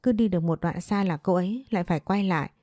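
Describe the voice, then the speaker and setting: A woman's voice: fairly low pitch, fast, mellow, no echo, clean studio sound, soft background music, close to an everyday voice. A woman voicing an earnest young man of twenty-seven who is haunted by a ghost, in a spoken ghost story.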